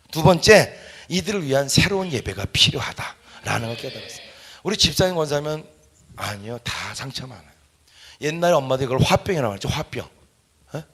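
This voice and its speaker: A man pastor preaching a sermon, telling stories with animated delivery that rises into shouts. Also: on the high side. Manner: animated storytelling, rising to shouts.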